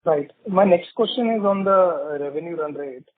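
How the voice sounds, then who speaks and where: A male analyst with an Indian accent puts questions on an investor call. His voice sits slightly high and comes through a thin telephone line, with a dry sound. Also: moderate pace, no room sound. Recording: dry, narrow phone line.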